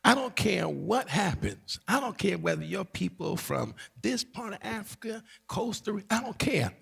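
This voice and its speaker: At normal speed, the Barbadian pastor's husky, gravelly voice moves lively up and down during his teaching sermon. Long reverb from the large hall carries his repeated key phrases and his call-and-response check-ins with the congregation.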